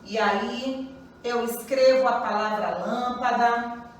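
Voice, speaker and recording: Teacher, female, slow and patient, echoey room, distant mic. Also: a little high, steady tone. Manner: slow, patient, repeats questions to pupils. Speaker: primary school teacher. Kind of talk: recorded grammar lesson for children.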